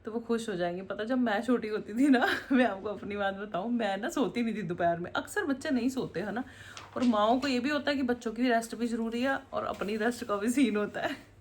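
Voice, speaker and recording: A woman's voice: fairly high pitch, a little fast, a little hiss or hum. A woman, chatting casually and rambling as she cooks in her home kitchen, laughing often. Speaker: vlogger, mother. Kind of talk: casual home vlog chat.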